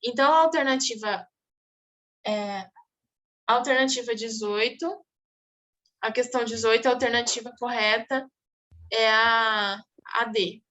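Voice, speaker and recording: A woman with a slightly high, sharp-toned voice teaches an online exam review class, going over the answers. She explains as she goes and checks in often with her students, asking "tá bom?"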